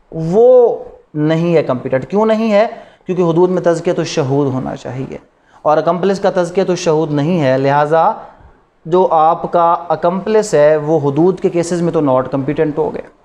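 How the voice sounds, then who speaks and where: This high-pitched man, dark in tone, is a law lecturer with a Pakistani accent. Blending Urdu and English legal vocabulary in class, he drives lessons home by restating points and asking rhetorical questions.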